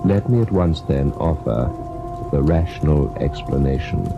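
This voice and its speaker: A man's voice: very deep voice, lively intonation, a little slow, music in the background, heavily acted. A man playing a grave, formal storyteller who introduces ghost tales on old-time radio. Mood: grave, ominous. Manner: solemn, formal. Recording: dull old radio recording.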